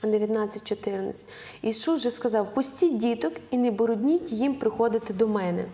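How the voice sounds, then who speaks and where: Earnest young Ukrainian woman, slightly high voice. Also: a little fast, mellow. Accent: western Ukrainian. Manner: earnest, instructive, with frequent hesitation fillers. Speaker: guest on a Christian TV program. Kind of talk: advice talk on parenting.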